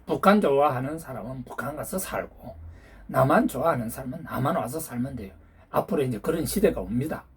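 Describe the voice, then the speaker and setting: A man's voice: medium pitch, lively intonation, a little fast, breathy edge. A man delivering a ranting political monologue, lecturing his listeners and firing off challenging rhetorical questions. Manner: lecturing, hectoring tone toward listeners. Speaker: YouTube channel host.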